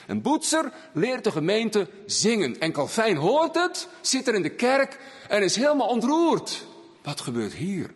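A man preaching a sermon in a church, swinging between raised emphasis and hushed, low phrases. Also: husky. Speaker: pastor. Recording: long church reverb.

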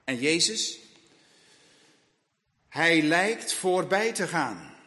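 Male preacher, sermon, very slow delivery, emphatic repetitions, dramatic pauses, long hall echo. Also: a little high, very animated, pushed and bright.

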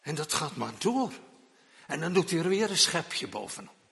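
A male preacher delivering a sermon, emphatic and swinging from quiet asides to loud declamation while repeatedly addressing the congregation. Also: on the high side, big pitch swings, moderate pace, vocal fry. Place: church. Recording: long reverb of a church hall.

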